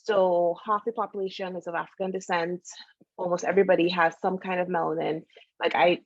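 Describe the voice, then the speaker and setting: A woman's voice: lowish voice, level tone, brisk, dry recording, lo-fi sound. A middle-aged woman from Trinidad and Tobago, a doctor and founder, talking casually as a podcast guest with many "you know" fillers. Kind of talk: casual interview conversation.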